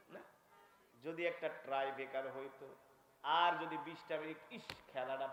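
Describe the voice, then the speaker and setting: This man has a plain, everyday voice pitched fairly high. His intonation stays fairly even. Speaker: Islamic preacher. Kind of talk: sermon to a live gathering. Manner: emotional, storytelling.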